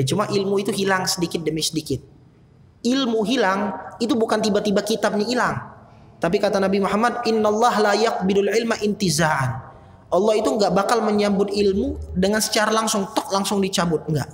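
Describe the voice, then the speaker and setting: Man, preacher, chatty storytelling sermon, roomy reverberant hall. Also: high-pitched. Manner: conversational, lively retelling with slangy asides.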